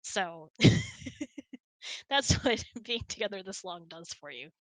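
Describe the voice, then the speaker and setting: A woman's voice: medium pitch, big pitch swings, takes it slowly, dry recording. A woman hosting a casual hangout, telling stories and answering questions in a chatty, rambling, giggly way. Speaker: host of an online hangout.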